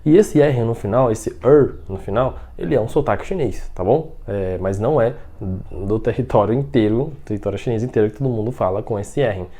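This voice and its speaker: A man teaching a language lesson with a Brazilian Portuguese accent. He explains patiently, keeps checking in with the learner, and slows right down to model example sentences. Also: mid-range voice, animated, warm tone. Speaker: Mandarin teacher.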